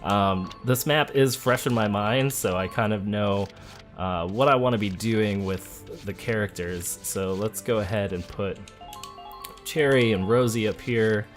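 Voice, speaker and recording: Male let's play host, lower-pitched voice, casual and chatty, talking through moves over background music. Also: unhurried. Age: adult, parent of a school-age child. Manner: relaxed, chatty, thinking aloud. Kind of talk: casual gameplay commentary. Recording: game music behind the voice. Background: video game music.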